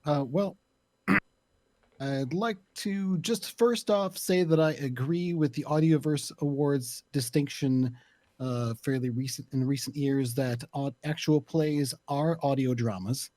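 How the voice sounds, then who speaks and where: A man explaining his opinions in a casual discussion, deliberate and often searching for the right words. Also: medium pitch, a little mellow. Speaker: panelist, actual play creator.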